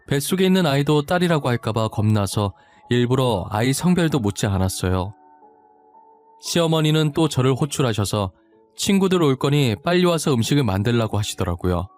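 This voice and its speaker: A man narrating a first-person story in a confessional, expressive way. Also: mid-range voice.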